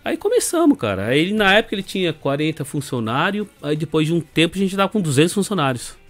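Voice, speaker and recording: A man's voice: on the high side, fast, faint music behind. A middle-aged Brazilian man from Brazil, a podcast guest relaxedly telling his story with lots of filler tags. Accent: Brazilian Portuguese. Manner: relaxed, rambling, leans on fillers and tag questions. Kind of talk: casual storytelling interview.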